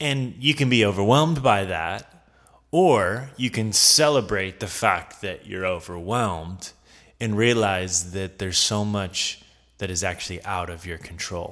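A man with an American accent and a fairly low pitch speaks at a fairly slow pace with lively intonation, on a very clean recording with a silent background. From US South. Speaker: podcast host. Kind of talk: casual monologue, faith reflection.

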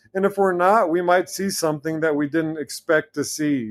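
A man with an ordinary speaking voice and an American accent talks at a fairly high pitch with ordinary pitch variation. The recording is very clean, with a silent background. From central Virginia. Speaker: nature photographer and writer. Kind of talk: interview conversation.

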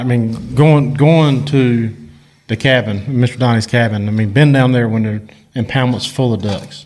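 At a moderate pace, a man with an ordinary speaking voice speaks at a medium pitch with fairly even intonation. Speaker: hunting trip companion. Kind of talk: casual chat.

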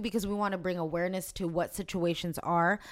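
On a very clean recording with a silent background, a woman at medium pitch speaks at a moderate pace in an energetic, animated tone. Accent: American. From Seattle, US Pacific Northwest. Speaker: podcast guest. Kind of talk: casual banter chat.

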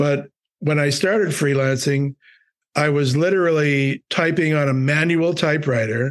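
Speaking at a moderate pace with an American accent, a man uses a plain, everyday voice that is fairly high in pitch, with fairly even intonation. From US Midwest, Milwaukee. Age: 60s. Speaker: jazz journalist and author. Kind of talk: interview.

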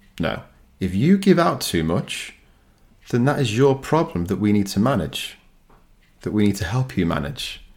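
A man with a fairly low pitch talks at a moderate pace, his slightly breathy voice swinging very widely in pitch and broken by long, frequent pauses. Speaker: nutrition coach and podcast host. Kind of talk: solo podcast monologue.

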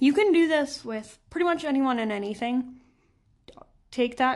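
Her delivery is fairly slow, and her pitch moves in an ordinary way. Little else is heard, as the background stays quiet. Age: 20s. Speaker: solo podcast host, psychology student. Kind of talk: casual solo monologue.

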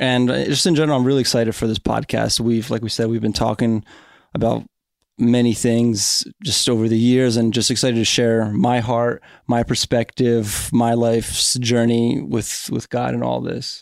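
Speaking with a Philadelphia accent, the voice keeps a moderate pace and fairly even intonation on a very clean recording with a silent background. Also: man, medium pitch for a man. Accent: Philadelphia American. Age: 20s. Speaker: podcast co-host. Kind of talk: casual discussion.

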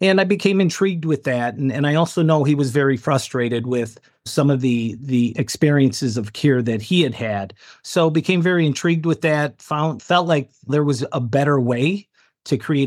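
A man with an American accent at a fairly high pitch, ordinary pitch variation and moderate pace, in a very clean recording with a silent background. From Chicago, south side. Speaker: leadership expert, executive. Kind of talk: interview. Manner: repetitive, halting starts.

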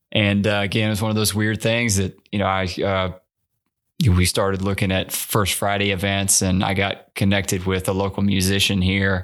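A man with a Southern US accent, fairly low-pitched, monotone and flat, at a moderate pace with very even loudness, over a quiet background. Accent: Southern US (Georgia). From US South, Georgia (Athens). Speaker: entertainment venue sales director. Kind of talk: interview. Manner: hesitant, many fillers.

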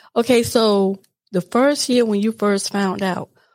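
The speaker uses a plain, everyday voice with ordinary pitch variation. The recording is very clean with a silent background and a dry, close sound with no echo. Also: woman. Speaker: podcast host. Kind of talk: casual chat.

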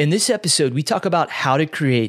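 A man with an ordinary speaking voice talks at a fairly quick pace, fairly high in pitch. His pitch variation is ordinary, and the background is quiet. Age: 30s. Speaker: podcast host, military officer. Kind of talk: interview; scripted intro and outro.

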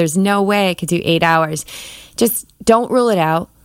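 A woman with an unremarkable speaking voice, at a moderate pace, with ordinary pitch variation. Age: 50s. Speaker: mindset coach and podcast host. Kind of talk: solo podcast monologue.

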